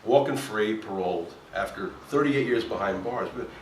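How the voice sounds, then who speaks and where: A New Jersey native, once a cop and now an actor, chats casually and tells stories with animation, voicing what others said. He speaks at normal speed in a lowish voice; the space is echoey, the mic is somewhat distant, and there's faint noise in the background.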